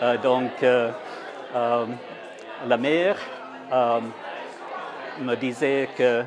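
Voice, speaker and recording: A man with a medium-pitched voice talks at a very slow pace, with audible room echo and crowd noise in the background. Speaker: former student of French. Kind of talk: interview testimony. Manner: halting, many hesitations.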